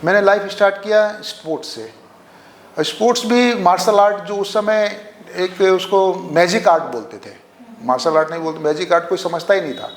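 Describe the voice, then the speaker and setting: An older man speaking as a guest in an interview, telling stories in a relaxed way and often checking in with "isn't it?". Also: high voice. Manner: relaxed storytelling, frequent "है ना?" tags. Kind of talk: conversational interview. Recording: echoey room with faint noise.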